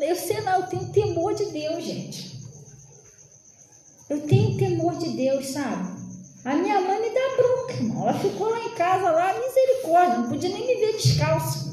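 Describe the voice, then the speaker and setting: High-voiced woman preaching in an echoey room. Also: a little hiss or hum. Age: 30s. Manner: chatty, animated, often addresses listeners as "gente". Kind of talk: informal sermon.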